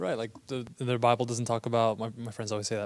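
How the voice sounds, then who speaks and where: Talking at a very fast pace with an American accent, a man is heard against a quiet background in a dry sound with no echo. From Mexico City and Colorado. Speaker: Bible college student. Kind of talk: casual chat. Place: stage. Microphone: handheld.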